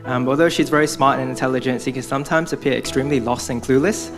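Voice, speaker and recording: A man's voice: medium pitch, steady tone, fast, over music. A young man from Hong Kong giving a prepared church testimony, speaking earnestly as if from notes.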